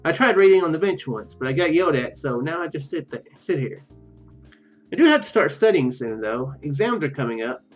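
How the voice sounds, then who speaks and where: A let's play video host with a slightly high, very lively voice gives casual commentary, reading game text aloud haltingly and rambling as he doubles back to correct himself. The audio is muffled, with game music behind him.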